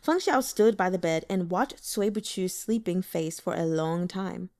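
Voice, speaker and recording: A woman narrating a novel as an audiobook, with an expressive, animated delivery. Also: fairly low pitch, measured pace.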